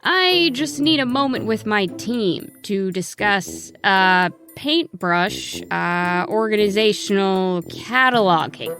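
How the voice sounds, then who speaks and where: A woman's voice: medium pitch, lively intonation, slow pace, hardly any pauses, a bit bright, faint music behind. A woman voicing a huge male rabbit boss in a children's story, stammering, evasive and eager to placate. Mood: nervous, placating.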